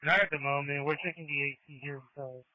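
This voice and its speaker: A man's voice: a little high, fairly even intonation, a little fast, no room sound. A man working as a firefighter, giving clipped, procedural commands and reports over a two-way radio. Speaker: firefighter on an incident radio channel. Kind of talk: terse emergency radio traffic. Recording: dull, band-limited two-way radio.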